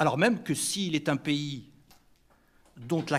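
A man talks here. His pace is moderate. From Morocco. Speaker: foundation director; speaker. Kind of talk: prepared speech. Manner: formal. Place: meeting room. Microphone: podium.

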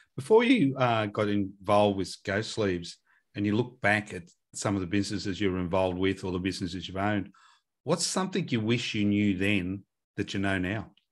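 With an Australian accent, a man talks against a quiet background. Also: fairly low pitch for a man, ordinary pitch variation, fairly quick pace. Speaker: podcast host. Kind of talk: casual interview. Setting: video call. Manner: enthusiastic. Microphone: studio mic.

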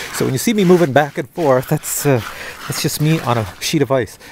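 A man speaks with lively intonation. The sound is dry with no echo, and there is light background noise. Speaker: drone reviewer. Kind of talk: tutorial. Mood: cheerful, amused. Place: garden. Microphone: lapel.

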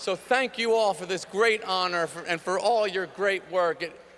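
Light background noise sits behind a man with a high pitch and a bright, sharp tone. He talks at a fairly slow pace with ordinary pitch variation. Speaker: comedian. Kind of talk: award acceptance speech. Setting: stage at award ceremony. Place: stage. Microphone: podium.

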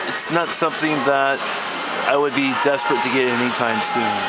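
Moderate-paced speech with music in the background. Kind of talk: casual vlog commentary. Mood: relaxed, mildly opinionated. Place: shop. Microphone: phone near.

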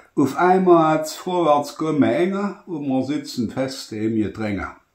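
A man with a Saxony-Anhalt accent and a fairly high pitch speaks at a very slow pace with lively intonation. Audible room echo is present against a quiet background. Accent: Mansfeld dialect, Saxony-Anhalt. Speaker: dialect poem reciter. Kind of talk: dialect poetry reading. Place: home room. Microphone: phone near.

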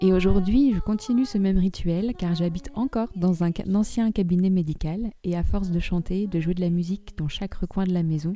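Somewhat breathy, with a dark, mellow tone, a calm, gentle tone, ordinary pitch variation and a moderate pace. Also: woman. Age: 30s. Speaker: crafter and musician vlogger. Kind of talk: scripted narration.

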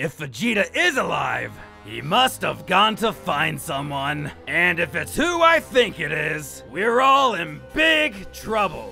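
Over clear music in the background, a put-on character voice speaks at a fairly slow pace. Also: man. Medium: fan dub. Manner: panicked, pleading, then grim.

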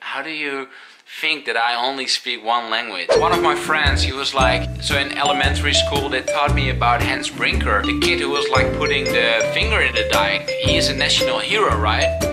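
Loud music plays in the background as a man with a Dutch accent speaks at a moderate pace. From Netherlands. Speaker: vlogger. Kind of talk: casual talk to camera. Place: home room. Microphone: phone near.

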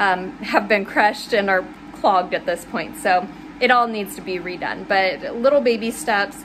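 A woman talks at a moderate pace while noticeable noise sounds behind her. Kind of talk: casual vlog chat. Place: home room. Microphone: phone near.

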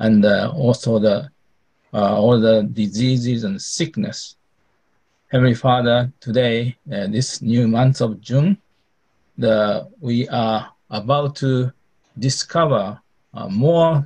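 Over a quiet background, the somewhat breathy speaker goes at a very slow pace with long, frequent pauses. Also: man, ordinary pitch variation. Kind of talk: prayer. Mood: reverent, calm. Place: home room. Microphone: video call.

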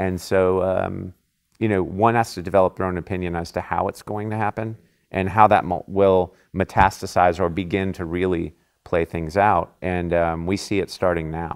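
Against a quiet background, a man with a very deep, low voice talks at a moderate pace with fairly even intonation. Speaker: interviewee. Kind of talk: interview answer. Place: home room. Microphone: lapel.

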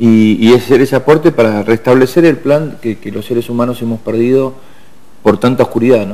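A man's voice sits at a medium pitch, rising and falling in an ordinary way as he moves along fairly quickly. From Argentina, Buenos Aires province (Coronel Suárez); Buenos Aires province, Argentina. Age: 50s. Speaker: motivational speaker. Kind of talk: interview. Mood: warm, reflective, spiritual. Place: studio. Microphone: lapel.

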